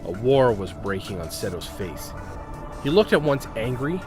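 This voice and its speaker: A man's voice: mid-range voice, sing-song, moderate pace, over music. A man narrating a scripted audio drama with intense, suspenseful delivery, broken phrase by phrase.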